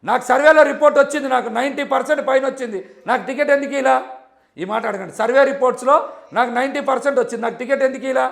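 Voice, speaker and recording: Male political debater, very high pitch, rapid, insistent, combative, repetitive challenges. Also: vocal fry. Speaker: political party leader as debate guest. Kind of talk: heated political argument.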